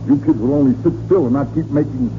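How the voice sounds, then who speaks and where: A man's voice: mid-range voice, fast, close to an everyday voice. An actor playing an exasperated middle-aged suburban father in a 1940s radio comedy, blustering with long-suffering sarcasm. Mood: irritated, insistent. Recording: muffled, noisy 1940s radio recording.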